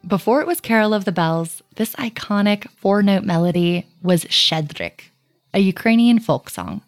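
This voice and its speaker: A woman hosting a podcast, delivering polished, measured scripted narration. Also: mid-range voice, sing-song, no room sound, clean studio sound, faint music behind. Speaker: podcast host.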